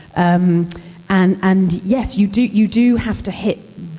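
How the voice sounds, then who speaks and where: Noticeable background noise accompanies a woman whose medium pitch varies in an ordinary way. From Wales. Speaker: voice actor. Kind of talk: convention panel talk.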